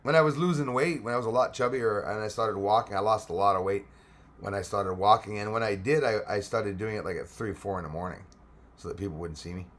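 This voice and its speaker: A man's voice: lowish voice, fast, a bit bright. A middle-aged man from Quebec with a Québécois French accent, chatting casually on a live stream, reading viewer comments and laughing often.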